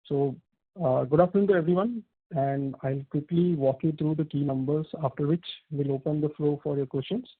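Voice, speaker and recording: A man's voice: a little high, fairly even intonation, normal speed. A man with an Indian accent formally presenting financial figures as a company executive on an earnings call over a phone line. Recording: muffled, phone-like conference line.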